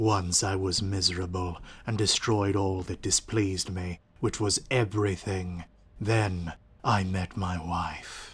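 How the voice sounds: A man's put-on character voice, very deep and low in pitch, at a fairly slow pace, on a very clean recording with a silent background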